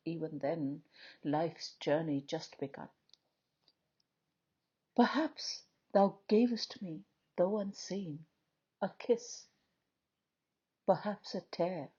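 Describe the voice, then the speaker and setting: A woman reciting poetry in a solemn, dramatic, measured style, pausing often between short phrases. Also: medium pitch, mellow, breathy edge, dull audio. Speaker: poetry reader.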